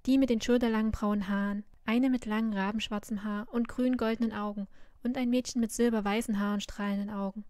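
A woman reads a fantasy novel aloud, in an audiobook style. Her delivery is measured and even, with very little rise and fall in pitch. The recording is dry and close, with no room echo. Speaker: reader of a web novel.

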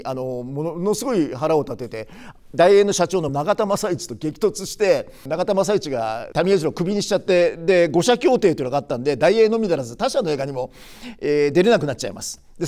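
A man in his sixties hosting a show, explaining film history in a chatty way with many short filler pauses. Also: on the high side, darkish tone. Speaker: film commentary host. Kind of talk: casual film commentary.

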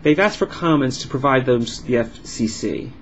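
A man's voice: mid-range voice, expressive, moderate pace. Man interpreting aloud, dull noisy recording. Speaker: sign language interpreter voicing a signed vlog. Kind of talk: live interpretation of an explanatory vlog. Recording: dull lo-fi sound with clear background noise.

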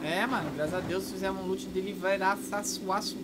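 A man with a Brazilian Portuguese accent streaming a battle royale game, shouting rapid calls and swearing often. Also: high voice, fairly even intonation. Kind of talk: excited gaming chatter with friends. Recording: noisy game-audio background.

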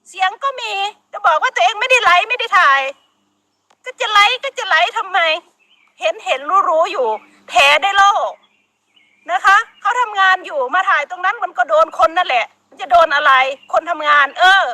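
A middle-aged woman with an Isan accent scolds in a very high, bright voice during a heated live-stream rant. She talks outdoors in the countryside, with animals and outdoor noise faintly behind her. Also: brisk. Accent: Northeastern Thai (Isan). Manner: scolding, emphatic, frequent laughter, Isan dialect words.

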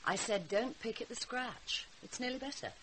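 A woman's voice: fairly high pitch, normal speed, a bit bright, close to an everyday voice, poor audio. An actress playing a weary, sarcastic mother with a dry, brittle manner in a naturalistic radio drama. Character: weary, sarcastic mother of a rebellious teenage girl. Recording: hissy radio drama recording.

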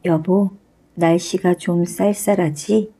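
A woman voicing a poor, frightened male farmer who speaks in hushed, urgent tones in a storybook tale. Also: fairly low pitch, fairly even intonation, slow pace, slightly rough, full character voice. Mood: worried.

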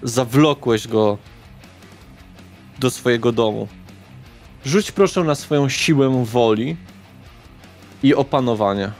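A man with a medium-pitched voice runs a horror tabletop game as its narrator. He speaks very slowly and leaves dramatic pauses. Soft guitar music plays behind him. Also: expressive. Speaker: game master.

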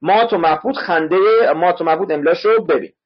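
Man teaching a literature class online, a bit husky, drills words and spellings over a muffled lo-fi mic. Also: sits high. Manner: explains word by word, repeats spellings to students. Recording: dull lo-fi online class audio.

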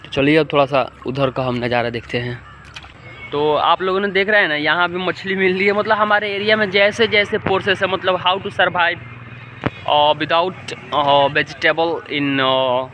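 A young man speaks chattily to his viewers, sprinkling in English words. His voice sits a little high. The phone at arm's length picks up plenty of outdoor noise around him. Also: unhurried, bright, forceful tone. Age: young adult. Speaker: vlogger. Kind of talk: casual outdoor vlog. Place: outdoors by a pond and river. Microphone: phone held at arm's length. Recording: noisy outdoor phone recording.

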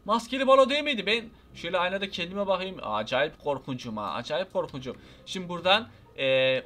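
A young man giving excited, playfully menacing commentary over his own gameplay, repeating lines and talking to his viewers. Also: high-pitched. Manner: loud, repetitive, playfully menacing banter. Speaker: gameplay video host.

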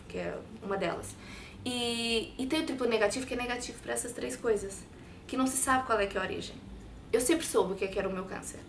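Interview guest: woman, 30s, European Portuguese accent, expressive storyteller; lapel mic, slight room echo. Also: medium pitch, a little hiss or hum. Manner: expressive, talks with her hands. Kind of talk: personal story in a sit-down interview. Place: bright studio set with sofa and shelves.

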